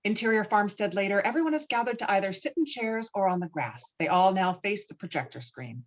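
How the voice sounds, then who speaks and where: A woman's voice: medium pitch, expressive, fairly quick. A woman reading scripted stage directions as narrator at a table read, slightly muffled as on a video call.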